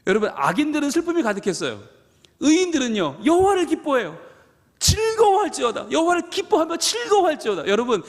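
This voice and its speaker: A man preaching a fervent sermon as pastor at a church prayer service, emphatic and full of repeated phrases. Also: very high-pitched. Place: church sanctuary at a live midweek prayer service. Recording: live church hall reverb with soft music.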